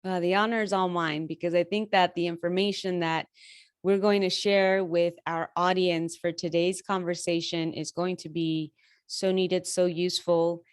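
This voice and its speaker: A woman's voice: lowish voice, level tone, moderate pace, smooth, no echo, studio quality. Effusive woman podcast host. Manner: effusive and gracious, long winding questions. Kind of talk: conversational interview hosting.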